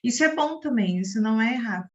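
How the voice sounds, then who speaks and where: A woman's voice: fairly high pitch, animated, quick pace. A woman with a Brazilian accent chatting casually as an interview guest. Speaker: sign language interpreter, podcast guest. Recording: dull, echoey lo-fi room sound.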